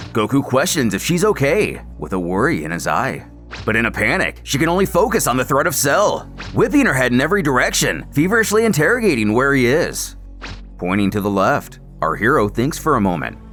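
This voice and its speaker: A man giving dramatic scripted story narration with expressive storytelling emphasis. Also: medium pitch. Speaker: narrator of fan comic recaps. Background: background music.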